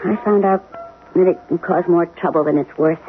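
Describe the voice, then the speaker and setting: A woman's voice: on the low side, normal speed, lightly acted. An actress playing a plain-spoken, wry middle-aged wife, once a chorus girl, in a radio drama. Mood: hurt. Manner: blunt, wry, colloquial. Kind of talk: 1970s radio drama acting. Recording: tinny, narrow-band old radio broadcast.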